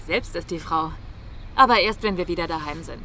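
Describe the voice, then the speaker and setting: An actress playing a secretive, dry-witted hospital worker in a German audio drama, talking in a natural, conversational way. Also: female voice, on the low side, fairly quick, bright, forceful tone. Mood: casual, teasing. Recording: clear background noise.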